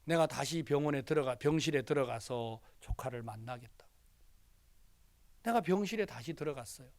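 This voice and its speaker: A man's voice: mid-range voice, animated, moderate pace, darkish tone. A male pastor telling a story in a sermon, emphatic, acting out the dialogue as he goes.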